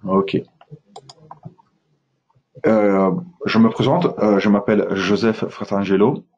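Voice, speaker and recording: A man's voice: fairly low pitch, steady tone, takes it slowly, a little mellow, highs cut off. A man from Italy speaking French with an Italian accent, giving a webinar presentation, hesitant with many fillers and restarts.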